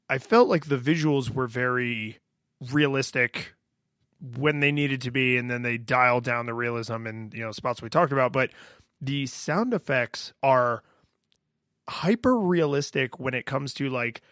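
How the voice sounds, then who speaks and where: A man with a fairly deep voice co-hosting a podcast, rambling in casual chat with frequent fillers and laughs. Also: moderate pace, fairly bright tone, dry recording, studio quality. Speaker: podcast co-host. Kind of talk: casual chat about a video game.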